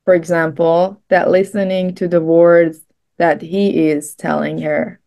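A woman's voice: lowish voice, little pitch movement, measured pace, dark tone. A young woman explaining casually on a video call. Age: young adult. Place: home room, on a video call. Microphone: computer mic on a video call.

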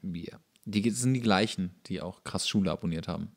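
A man speaks in a fairly low, gravelly voice full of fry. He co-hosts a podcast, chatting casually and slipping in jokes completely deadpan. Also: a little fast. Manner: deadpan, dryly joking. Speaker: podcast co-host. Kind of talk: casual comedic chat.

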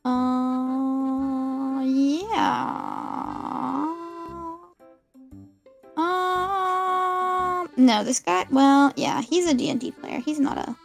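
A woman guesting on a casual game stream, talking in halting, rambling bits and giggling. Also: sits high, very animated, vocal fry, soft background music.

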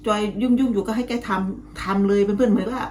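A middle-aged woman, a little hoarse from calling, chatting casually to her viewers in a home vlog, friendly and talkative. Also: medium pitch, steady tone, fast talker, faint music behind. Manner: chatty, friendly, ends phrases with soft polite particles. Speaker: vlogger.

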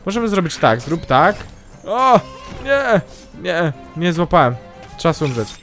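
A young man commentating his own gameplay, excitable and yelping loudly whenever something goes wrong. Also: fairly high pitch, a little slow, faint music behind. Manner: excitable, yelps and shrieks at mishaps. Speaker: gaming YouTuber. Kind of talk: let's play commentary.

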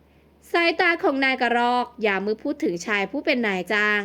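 A woman narrating an audio novel in a steady, expressive storytelling voice. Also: a little high, fairly quick, clear, resonant tone. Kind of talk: scripted narration.

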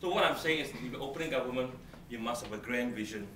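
A middle-aged man from Singapore, giving a brisk classroom lecture on debating, teasing students and repeating his key points. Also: mid-range voice, a bit bright. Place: large brick-walled seminar room. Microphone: far camera, no close mic. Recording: roomy, distant camera audio with room noise.

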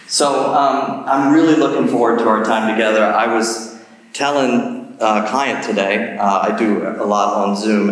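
A man, a neuropsychologist, giving a relaxed and self-deprecating talk at a church service, laughing at his own stories. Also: lowish voice. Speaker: guest speaker, neuropsychologist. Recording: echoey church from far off.

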